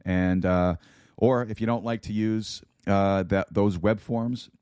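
Hoarse deep-voiced preacher man. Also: steady tone, slow pace, a little mellow, no echo, studio quality. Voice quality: raspy. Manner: folksy, addresses listeners as folks, many fillers. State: hoarse, losing his voice. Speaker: podcast host and Bible teacher. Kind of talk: casual sermon-podcast talk.

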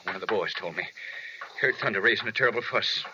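An American actor playing an anxious, guilt-ridden, stammering ranch boss in a 1940s radio drama. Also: male voice, fairly low pitch, fast, natural voice. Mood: distraught. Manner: flustered, stammering. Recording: very noisy, muffled old radio recording.

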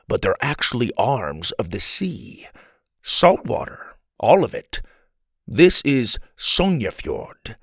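A man voicing a genial, confident older grandfather who explains things in a measured way. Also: on the low side, dry recording, clean studio sound, exaggerated voice.

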